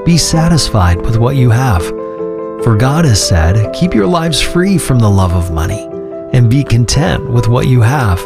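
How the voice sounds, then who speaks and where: A man announcer reading a Bible passage in an expressive, emphatic way. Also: medium pitch, measured pace, vocal fry. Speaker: radio announcer. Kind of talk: scripture reading. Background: loud music.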